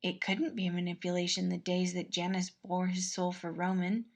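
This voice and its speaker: A woman reading a scripted story aloud as narrator, expressive and measured. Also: on the low side, vocal fry. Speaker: fan-fiction podfic reader.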